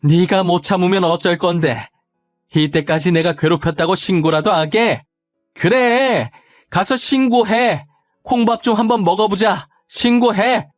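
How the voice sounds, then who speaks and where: Spiteful older woman, shrill and yelling, in a dry booth with faint music, a man putting her on. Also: normal speed, no room sound, natural voice. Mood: furious. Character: spiteful shrieking older mother-in-law woman.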